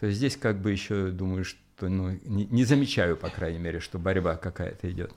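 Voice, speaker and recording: The recording is very clean with a silent background. The speech has hardly any pauses. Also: man, very deep, low pitch for a man, ordinary pitch variation, moderate pace. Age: 60s. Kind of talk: radio interview. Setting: radio studio. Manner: halting, many fillers.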